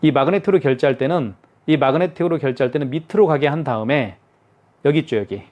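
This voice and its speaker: A man's voice: on the high side, quick pace, a little mellow. A man giving a hands-on product tutorial, explaining each step patiently and repeating himself for clarity. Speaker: product demonstrator.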